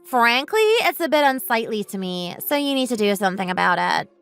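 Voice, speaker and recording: Brief: woman voicing a vain, scheming young woman, high-pitched and lilting, taunting and self-admiring. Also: sing-song, brisk, gravelly, fairly bright tone, clear, resonant tone, soft background music, exaggerated voice.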